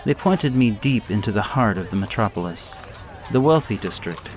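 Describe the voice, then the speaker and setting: A man narrating a gothic horror story in a measured, deliberate way. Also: on the low side, animated, some chatter behind, slight background noise.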